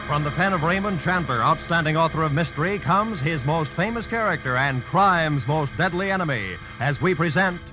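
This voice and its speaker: Declamatory American announcer, fairly high male voice. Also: expressive, normal speed, few pauses, poor audio. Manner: declamatory, formal. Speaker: radio announcer. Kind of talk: 1940s radio announcing, scripted and theatrical. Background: music.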